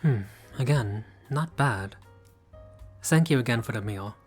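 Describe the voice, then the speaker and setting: A man's voice: mid-range voice, lively intonation, measured pace, breathy edge, faint music behind. A man playing a haughty but friendly vampire lord in a roleplay audio, speaking in a formal, fussy, politely pompous way. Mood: gracious, refined. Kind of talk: scripted roleplay audio addressed to the listener.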